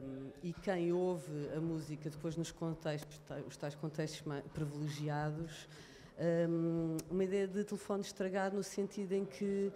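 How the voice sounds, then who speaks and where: A woman asking from the floor, thinking aloud with many pauses and fillers. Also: low voice, flat delivery, warm tone, in a large hall. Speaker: audience member. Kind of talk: question from the floor.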